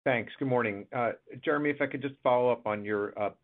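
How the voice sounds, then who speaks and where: A man, an analyst on an earnings call, putting a business question in a halting, roundabout way. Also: medium pitch. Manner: halting, circling phrasing. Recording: narrow phone-line call.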